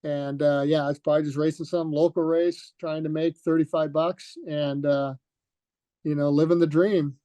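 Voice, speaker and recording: Older man reminiscing, mellow and dry. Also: fairly high pitch, flat delivery, moderate pace, no room sound. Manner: rambling, many fillers and restarts. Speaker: retired motocross racer, guest. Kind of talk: relaxed reminiscing in an interview.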